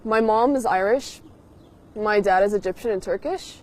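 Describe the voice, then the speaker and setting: Matter-of-fact young woman, mid pitch. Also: normal speed, noisy background. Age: young adult. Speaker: university student interviewee.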